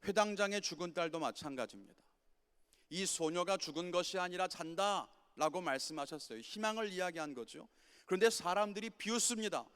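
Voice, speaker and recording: A man preaching a sermon to a youth congregation, impassioned, with swings from loud commands to quiet low lines. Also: expressive, fairly quick, clear, resonant tone. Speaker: pastor. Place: church sanctuary. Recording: church sanctuary with long reverb.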